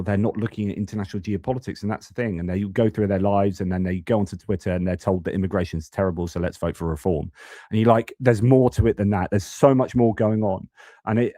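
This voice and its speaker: A man's voice: on the low side, dark tone, no room sound, clean studio sound. A young British man hosting a live news stream, talking casually and ranting about politics, often restarting his sentences. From United Kingdom. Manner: ranting, frequent restarts and stammered repeats.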